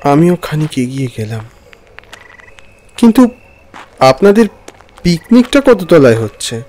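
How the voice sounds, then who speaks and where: A man's voice: a little high, very animated, unhurried, a little mellow. A man playing a nervous lawyer who narrates his own ghost encounter in a dramatic, suspenseful first-person style. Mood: nervous, stammering. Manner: tense, suspenseful, stammering when frightened. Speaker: narrator and main character.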